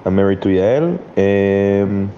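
A man's voice: on the low side, lively intonation, slow pace, warm tone. A man, talking casually and hesitantly as a football fan guest. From Israel, Haifa. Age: 40s. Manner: conversational, hesitant, filler-heavy. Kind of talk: casual personal talk in English. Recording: muffled, lo-fi, clearly noisy ambient sound.

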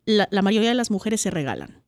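A woman actress with a Mexican accent, talking as a guest in a casual interview, expressive and often restarting her sentences. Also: medium pitch, fast, no echo. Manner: animated and expressive, with frequent restarts.

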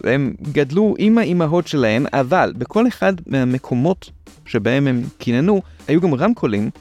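A man's voice: mid-range voice, darkish tone. A man with an Israeli accent explaining things in a conversational way as a show's host, with playful questions and asides. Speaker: host of a science explainer show.

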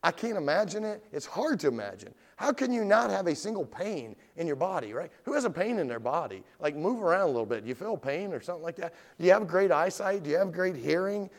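A middle-aged man preaching with a lively, swinging delivery that rises and falls all the time. His voice sits a little high for a man. He keeps firing rhetorical questions at the congregation in plain, everyday words. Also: quick pace, few pauses. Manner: asks the congregation direct questions. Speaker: pastor. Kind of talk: evening sermon.

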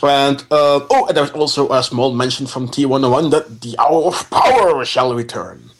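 A man's voice: mid-range voice, normal speed. A man co-hosting a casual radio show, full of stammered restarts and easy laughter. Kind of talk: casual chat.

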